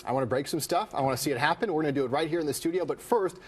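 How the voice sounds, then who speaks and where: A man's voice: on the high side, very fast, slightly rough. A man hosting a TV show, asking questions in a conversational interview style in a studio. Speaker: TV show host.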